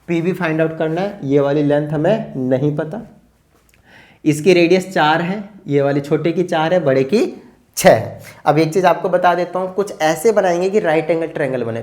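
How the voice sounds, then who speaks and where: Male maths teacher, fast speaker, rhetorical check questions, whiteboard lesson. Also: a little high, a little mellow.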